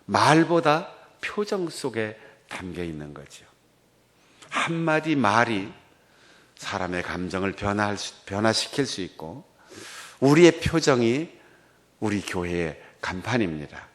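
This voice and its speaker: Lowish-voiced pastor preaching with a Gangwon accent. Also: male voice, unhurried. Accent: Gangwon Korean. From Korea. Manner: animated storytelling, acting out quoted dialogue. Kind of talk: sermon.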